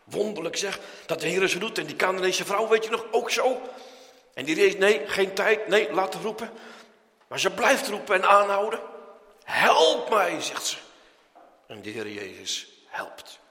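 A man preaching a sermon, acting out biblical figures as he goes, with his voice rising and falling in a lively way. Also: high voice, normal speed, long reverb tail. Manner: animated, acts out voices of biblical figures, lively rises and drops.

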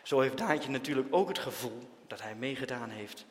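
A man reading a children's story aloud, with expressive, dramatic storytelling. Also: mid-range voice, moderate pace, long reverb tail, a little hiss or hum. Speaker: narrator.

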